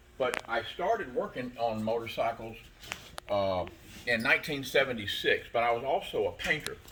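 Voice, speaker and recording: An American-accented man talks at a moderate pace. Background noise is noticeable throughout. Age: 60s. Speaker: motorcycle engine builder. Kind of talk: casual interview. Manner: halting, many fillers.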